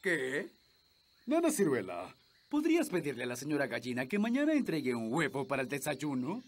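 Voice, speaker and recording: A man voicing a gruff, pompous fairy king in a Latin American Spanish cartoon dub, full of bluster. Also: medium pitch, huge pitch swings, a little fast. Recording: music behind the voice.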